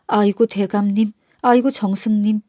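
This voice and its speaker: A woman's voice: mid-range voice, fairly even intonation, normal speed, mellow, no echo, highs cut off, close to an everyday voice. A woman voicing a proud male nobleman in a storybook folktale, haughty and scolding. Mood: pleading. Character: arrogant male Seoul nobleman, pompous then groveling.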